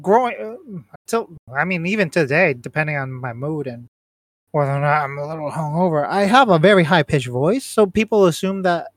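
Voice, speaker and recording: A man's voice: on the high side, expressive, brisk. A man chatting casually on a podcast with friends, rambling through stories with restarts and jokes. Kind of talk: casual chat.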